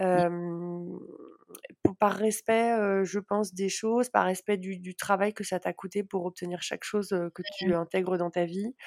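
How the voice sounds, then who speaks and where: This woman talks at a fairly slow pace in a flat monotone, with a dry, close sound and no echo. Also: medium pitch for a woman. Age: 40s. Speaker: second-hand dealer and shop owner. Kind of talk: interview conversation. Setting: remote call.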